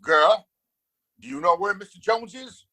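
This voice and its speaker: A man plays a rich, domineering town boss in a Western radio play. His bright voice swings widely in pitch as he hands out orders with condescension and open scorn. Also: lively intonation, unhurried, exaggerated voice. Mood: irritated, demanding. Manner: condescending, commanding. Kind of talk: Western audio play acting.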